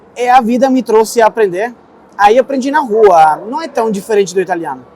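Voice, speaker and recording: Over noticeable background noise, a man talks at a fairly quick pace. His pitch is high and his intonation lively. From Italy, Pescara (Abruzzo). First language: Italian (speaking Portuguese). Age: 30s. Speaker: Italian teacher, immigrant interviewee. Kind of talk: interview.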